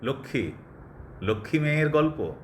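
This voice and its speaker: Actor as a touchy doctor, fairly high-voiced. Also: male voice, sing-song, normal speed, a little hiss or hum. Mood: bored, mocking. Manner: clipped, peppered with English words. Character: touchy, impatient young doctor, bored and uneasy listener. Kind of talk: Bengali audio drama acting.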